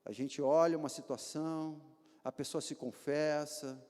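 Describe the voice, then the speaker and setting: A man's voice: on the high side, steady tone, measured pace, darkish tone. A man with a Brazilian Portuguese accent, a pastor preaching a sermon in a church, asking rhetorical questions and acting out examples. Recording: hall reverb.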